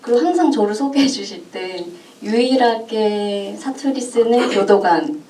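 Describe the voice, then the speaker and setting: A woman actress with a mellow, warm tone recounts her experience in an easy, friendly way. The sound is roomy and distant, like a cinema hall picked up from afar, with a faint hum. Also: on the high side, animated, measured pace. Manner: friendly, easy storytelling with light laughs. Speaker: supporting actress at a film Q&A. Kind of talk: casual anecdote at a screening talk. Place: cinema auditorium.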